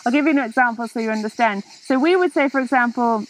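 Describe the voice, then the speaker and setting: A high-pitched woman in her thirties chats casually as a host, sitting outdoors in a garden hammock. She is lively and laughs easily. The take is picked up by a camera some way off. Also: quick pace, no room sound, low-quality recording. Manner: animated, laughing, talks with her hands. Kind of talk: casual chat.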